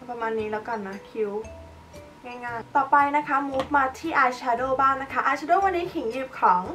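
Bright and fairly high-pitched, this young woman talks at a moderate pace while demonstrating makeup as a beauty vlogger. It's casual tutorial chat, recorded with her voice somewhat off-mic over soft background music.

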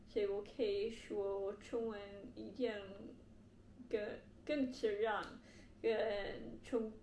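A young woman, a non-native Mandarin speaker with a foreign accent, talks casually to camera in a halting way, searching for words. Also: a little high. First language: not Mandarin. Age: young adult. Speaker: language learner vlogger. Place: indoor living room with bare wall, on sofa. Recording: echoey room, faint background hiss.

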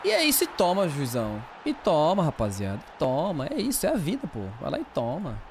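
Excitable Brazilian gamer with a lively voice. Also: male voice, a little high, a little fast, background noise. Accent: Brazilian Portuguese. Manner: excitable, shouts at players, slangy banter. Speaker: gaming streamer. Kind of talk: live gameplay commentary.

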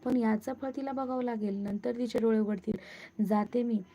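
A woman's voice: fairly high pitch, fairly even intonation, normal speed, mellow, a little hiss or hum, close to an everyday voice. A woman voicing a bitter ragged old crone. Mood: angry. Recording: muffled lo-fi recording.

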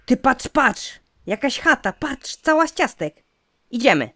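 Female actor, young boy, cartoon parody, hungry, argumentative, animated intonation. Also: sits high, a little slow, exaggerated voice. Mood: eager, defensive. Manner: eager, argumentative. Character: hungry, defensive young fairy-tale boy.

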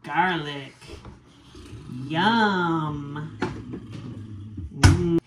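A woman's voice: deep voice, drawn-out words. A woman in her thirties cooking at home with her toddler, talking in patient, sing-song coaxing phrases. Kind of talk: casual kitchen chat with a toddler. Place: home kitchen, indoors. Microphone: camera on the kitchen counter. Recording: roomy kitchen echo with clear background noise.

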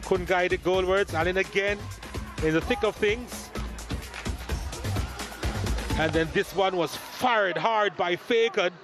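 A man commentating football match highlights in a lively, emphatic play-by-play manner. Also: slow pace, pauses often. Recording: voice-over with music underneath.

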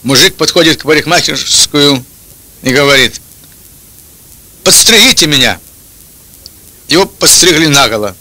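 An older man tells short jokes one after another. His voice sits a little high and is strikingly bright and tense. The sound is dry and close to the microphone. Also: lively intonation, measured pace, long pauses, no echo, low-quality recording. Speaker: joke teller. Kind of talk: telling short jokes and anecdotes. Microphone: handheld-type microphone held close, headphones on.

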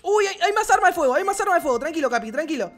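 A man with an Argentine accent giving excited gameplay commentary as a gaming channel host, swearing and shouting often. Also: extremely high pitch, rapid-fire, soft background music. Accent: Argentine Spanish.

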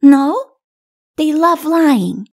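A woman's voice: sits high, expressive, drawn-out words, pitched above the performer's own voice, heavily acted. A woman voicing a small, innocent child in a storybook, anxious and trusting, with an earnest, pleading way of talking.

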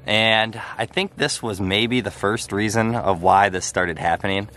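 A man's voice: on the low side, fairly bright tone, a little hiss or hum. A young man filming himself at arm's length outdoors, chatting casually and explaining step by step. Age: young adult. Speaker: homestead vlogger. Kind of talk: casual talk to camera. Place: outdoors in a snowy yard, partly in a house. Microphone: handheld camera at arm's length.

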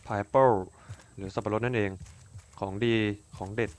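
A man doing casual let's-play commentary, cursing freely, bursting out excitedly and talking to his game character like a friend. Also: fairly low pitch, unhurried. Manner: crude, swears a lot, excitable outbursts; talks to his game character as if to another person. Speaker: gaming YouTuber.

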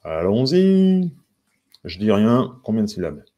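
A man's voice: on the low side, normal speed, darkish tone, muffled recording. A French man teaching a live songwriting lesson, patiently counting syllables with viewers and greeting them by name. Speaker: music teacher.

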